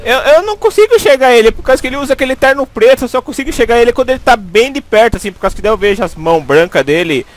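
A young Brazilian man, a gaming YouTuber with a Brazilian Portuguese accent, talks into a headset in a very high voice while playing a horror game. His commentary is rapid-fire with hardly any pauses, jumpy and full of swearing, sliding into panicky pleading.

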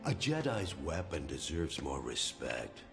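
Deep, gravelly old mentor spirit. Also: male voice, sing-song, a little slow, fairly bright tone, exaggerated voice. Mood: solemn counsel. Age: older. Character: wise old male Jedi master's ghost, stern mentor. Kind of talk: solemn game cutscene acting. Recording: music behind the voice.

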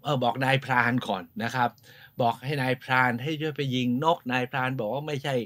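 A man hosting a tour, telling stories in a lively, polite, informal way outdoors. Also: medium pitch, fairly quick. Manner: lively storyteller, polite, often adds polite particles. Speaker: host and tour guide. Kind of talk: informal guided-tour storytelling. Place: outdoors at a temple.

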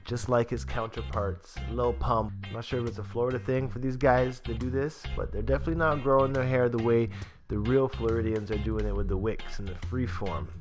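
A man's voice: mid-range voice, fairly even intonation, brisk, soft background music. A young man hosting a casual vlog, chatty and laid-back, talking from a small room at a desk mic. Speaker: vlogger reviewing dreadlocks.

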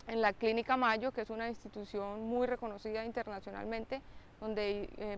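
A young woman, a biomedical engineer, speaking to camera outdoors in a clear, explanatory way with occasional "eh" fillers. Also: fairly high pitch, a little hiss or hum. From Colombia. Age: young adult. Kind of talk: to-camera interview. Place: outdoors by a lake with trees. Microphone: close mic, framed head-on.

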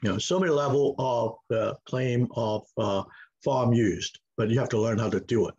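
A man in his fifties from Hong Kong with a Hong Kong accent, answering interview questions on a video call in halting English full of fillers and restarts. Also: mid-range voice, a little mellow, husky. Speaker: farm owner, guest. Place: home room with log walls, indoors. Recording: muffled video call audio.

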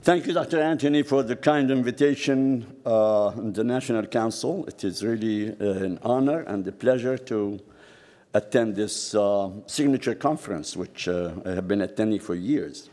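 An older man from Syria, a professor, giving a formal, measured conference speech at a podium with frequent pauses. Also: fairly low pitch, dark tone. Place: large conference hall. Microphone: podium microphone. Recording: long hall reverb.

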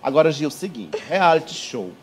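A man's voice: a little high, very animated, moderate pace. A man co-hosting a TV talk show, firing teasing, gossipy questions at a guest in a studio. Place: TV studio set.

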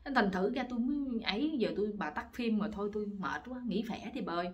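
A woman's voice: medium pitch, animated, quick pace, muffled recording, natural voice. A woman doing a weary old husband. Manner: plaintive, mumbling excuses. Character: tired older husband, dismissive and weary.

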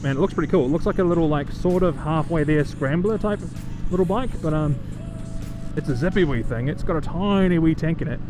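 Higher-voiced New Zealand man talking inside a helmet. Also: brisk. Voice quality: muffled closeness of speaking inside a helmet. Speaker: motovlogger. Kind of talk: casual chat to viewers while riding. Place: outdoors on a moving motorcycle, inside a helmet. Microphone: microphone inside the helmet. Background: music.

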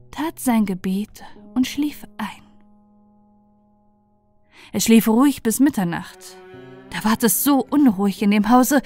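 Female audiobook narrator, fairy-tale storytelling, mid-pitched, faint background music. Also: darkish tone.

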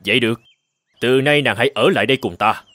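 Commanding young tribal warrior, mid-pitched played by a man. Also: fast talker, a bit bright, no room sound, natural voice. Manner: commanding, protective. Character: proud young tribal warrior posing as a mountain god. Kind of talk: dubbed animated folktale acting.

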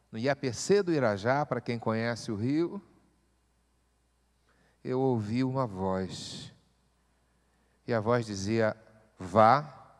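A man, a pastor preaching a sermon with repeated rhetorical questions that build to loud exhortation. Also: mid-range voice. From Brazil. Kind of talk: church sermon. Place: church sanctuary. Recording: echoey church hall.

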